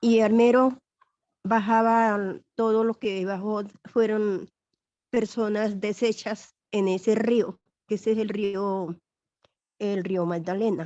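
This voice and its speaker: A woman speaks very slowly at a fairly high pitch, with long, frequent pauses. Her tone is dark and mellow, her intonation monotone and flat. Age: 70s. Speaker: church member. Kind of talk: testimony. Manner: halting.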